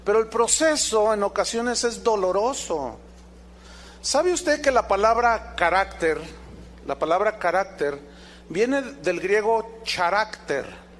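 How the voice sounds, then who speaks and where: A pastor delivers an emphatic sermon in a high-pitched voice, throwing rhetorical questions at his congregation. A faint hum runs beneath his voice. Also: lively intonation, slow, a bit bright.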